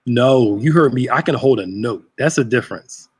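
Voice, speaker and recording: Husky-voiced man in his thirties, joking host. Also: mid-range voice, expressive, normal speed. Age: 30s. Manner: joking, chatty, greets viewers by name. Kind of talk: casual livestream chat.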